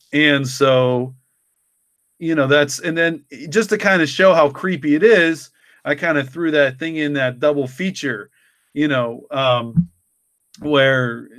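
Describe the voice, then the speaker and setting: Male co-creator in relaxed podcast conversation: halting, rambling delivery, mid-range voice, close dry sound. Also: mid-range voice, no room sound. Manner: halting, rambling, repeats words. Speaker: co-creator and writer discussing his story. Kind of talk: casual chat.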